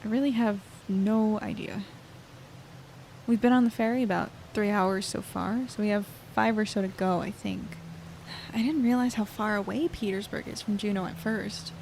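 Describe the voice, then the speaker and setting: A woman's voice: mid-range voice, fairly even intonation, normal speed, vocal fry, darkish tone, a little hiss or hum, natural voice, low-quality recording. Woman acting earnest, chatty young female reporter. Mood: musing, wry. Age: 20s. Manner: conversational, hesitant, thinking aloud. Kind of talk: audio drama, naturalistic monologue and dialogue.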